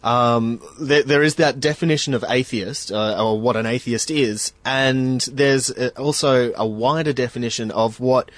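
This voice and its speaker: A man co-hosting a podcast, talking haltingly with many restarts and fillers. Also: mid-range voice, steady tone, no echo. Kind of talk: casual podcast discussion.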